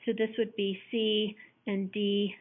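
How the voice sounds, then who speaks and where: A hoarse woman teacher patiently explaining matrix math step by step in a recorded lesson. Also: mid-range voice, level tone, takes it slowly. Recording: tinny phone-like audio.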